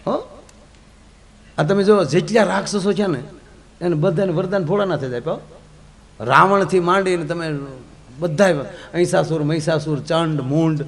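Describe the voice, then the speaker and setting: A man telling comic folk stories in a lively, jokey way, moving between loud outbursts and hushed asides. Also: on the high side. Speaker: folk storyteller.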